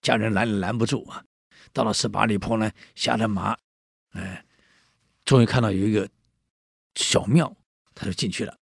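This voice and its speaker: A man retells an old tale in a chatty, lively way, turning to his listeners now and then. His low voice is gravelly and husky, and the recording is close and dry. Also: normal speed, pauses often, no echo. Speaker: storyteller. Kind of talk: casual oral storytelling to an audience.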